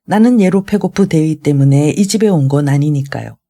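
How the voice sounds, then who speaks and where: A sardonic young man argues and needles with a cold, mocking edge in a storybook reading. The voice is mellow in tone at a middle pitch, as a reader acts him out. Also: moderate pace, natural voice. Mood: sarcastic. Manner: sarcastic, argumentative.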